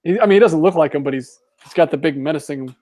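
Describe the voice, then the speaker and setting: A man with a slightly high but warm, mellow voice chats in a relaxed, wry way and laughs easily. The sound is dry and close, with no room echo. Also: quick pace. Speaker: podcast co-host. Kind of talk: casual commentary chat.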